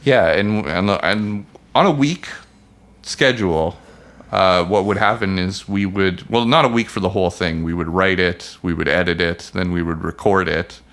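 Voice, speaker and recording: Low-voiced man chatting on a podcast. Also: moderate pace, fairly bright tone. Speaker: podcast co-host and animator. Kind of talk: casual podcast chat.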